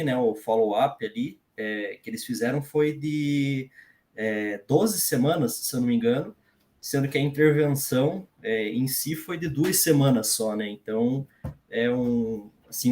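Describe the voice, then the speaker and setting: A man of middle pitch with a Brazilian Portuguese accent gives his view in a study group discussion. He pauses often, fills gaps and leans on tag questions as he thinks aloud. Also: darkish tone. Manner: hesitant, with many fillers and tag questions. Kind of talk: discussion comment.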